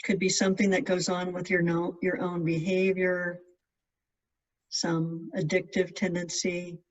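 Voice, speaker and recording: A meditation guide giving gentle, measured instructions in spaced-out phrases. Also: medium pitch, completely flat delivery. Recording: distant mic, dull lo-fi sound.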